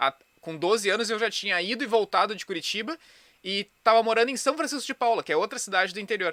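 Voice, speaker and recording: A man's raised, projected voice, high in pitch with a bright, sharp tone, at a fairly quick pace in a dry, close sound with no echo. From southern Brazil, Porto Alegre. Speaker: podcast host. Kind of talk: interview conversation.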